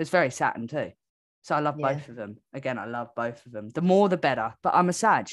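A woman with an English accent talks at a fairly quick pace in a very deep, low voice. The recording is very clean, with a silent background. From England. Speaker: astrology podcast co-host. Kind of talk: casual chat. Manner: animated.

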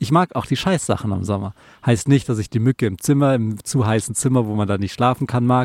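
A man speaks in a normal speaking voice at a medium pitch and a fairly quick pace, with ordinary pitch variation. The recording is very clean, with a silent background and a dry, close sound with no echo. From Bavaria, Germany. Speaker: podcast co-host. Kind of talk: casual chat. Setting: outdoors at a lake beach.

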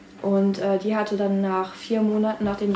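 A woman's flat, monotone delivery at a fairly quick pace, with noticeable background noise. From Harz region, Lower Saxony, Germany. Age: 40s. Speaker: dog physiotherapist. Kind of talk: interview answers.

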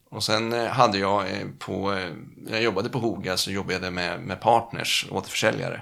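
An ordinary speaking voice at a moderate pace with fairly even intonation. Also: man. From northern Sweden, Sundsvall. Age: 50s. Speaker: IT business-systems consultant. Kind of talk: casual interview. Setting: office.

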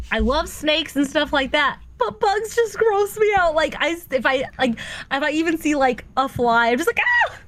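A woman's high-pitched voice with an American accent, very wide pitch swings, a moderate pace, and noticeable background noise. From US South, Atlanta. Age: 20s. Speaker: Twitch streamer. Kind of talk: casual chat.

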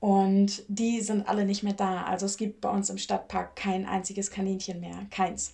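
A woman speaks at a moderate pace with a medium pitch, hardly any pauses and monotone, flat intonation. Her tone is dark, mellow and somewhat breathy. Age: 30s. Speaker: YouTuber and rabbit keeper. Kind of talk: interview.

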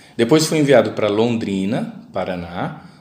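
Amid audible room echo, a man talks at a fairly low pitch and a moderate pace, his pitch varying in an ordinary way. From Brazil, Federal District (Planaltina). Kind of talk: interview.

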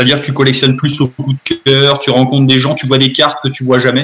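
Noticeable background noise is present throughout. A man's voice sits at a medium pitch. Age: 30s. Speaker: card collector, podcast co-host. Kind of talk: casual chat.

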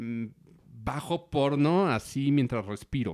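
Here a man speaks with a Mexican accent. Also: very clean recording, silent background. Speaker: gaming podcast host. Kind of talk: casual chat. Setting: studio. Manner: stutters.

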